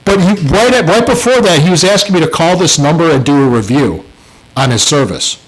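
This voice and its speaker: A man's voice: a little high, lively intonation, fairly quick, breathy edge, poor audio. A middle-aged man co-hosting a casual sports podcast, telling stories in a heated, profane way. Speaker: podcast co-host.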